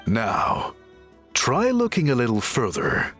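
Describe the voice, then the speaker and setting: A man playing an earnest, courteous tribal craftsman and reformer in a video game, speaking in polite, measured, articulate phrases. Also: mid-range voice, wildly swooping pitch, a bit bright, full character voice. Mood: calm, inviting. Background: background music.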